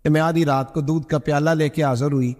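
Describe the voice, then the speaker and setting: A man's voice: on the high side, fairly even intonation, darkish tone. A man with a Pakistani Urdu accent preaching a storytelling sermon, acting out the people in his story and jumping up sharply for their stern lines. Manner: acts out quoted voices, voice rising sharply for stern lines. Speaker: religious preacher. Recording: long hall reverb.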